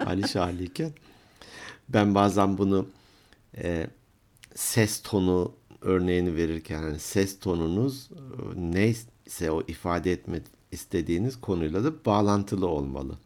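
A man's voice: low voice, a little slow, darkish tone. A man in casual conversation who laughs often and tells humorous anecdotes.

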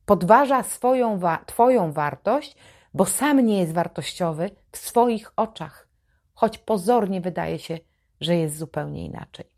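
A woman hosting a psychology channel, giving an advice monologue to her viewers in a slow, emphatic, deliberate way. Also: fairly low pitch, animated, darkish tone.

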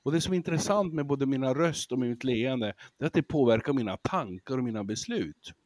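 A man who gives lectures, talking as a podcast guest in a casual, lively way, acting out examples and laughing easily. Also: mid-range voice, no room sound. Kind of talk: casual interview talk.

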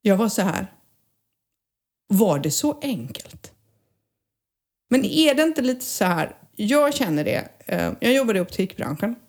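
A woman in her forties chatting as a podcast co-host, telling stories in a lively way and acting out the people in them. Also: fairly high pitch, hardly any pauses. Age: 40s. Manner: lively storyteller who acts out voices. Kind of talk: casual podcast chat.

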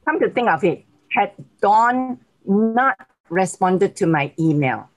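A woman in her sixties with a Malaysian accent, speaking as a guest on a video call, warm and grateful, often laughing. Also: lowish voice, poor audio. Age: 60s.

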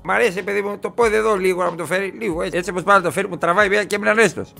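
A man playing a crude, rambling 47-year-old ex-truck driver in a comic interview, repeating himself and getting excitable. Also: sits high, gravelly, soft background music, exaggerated voice. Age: 40s.

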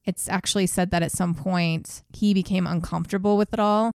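A woman with a low, gravelly voice tells a true crime case on a podcast. She is blunt and casual, and she swears. The sound is close and dry. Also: fairly even intonation, a little fast, a little mellow, no echo. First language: English. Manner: blunt, swears, laughs at grim moments.

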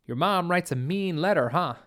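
A man's voice: a little high, lively intonation, normal speed, a bit bright. A man reading the part of a supportive teenage girl in an audiobook, in a teasing, caring manner. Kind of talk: audiobook character dialogue.

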